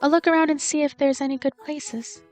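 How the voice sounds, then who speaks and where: Woman acting dignified young lady, teacher-like, bossy, orderly, high-pitched, visual novel game, music behind. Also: fairly even intonation, a little fast, darkish tone, close to an everyday voice. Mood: brisk, composed.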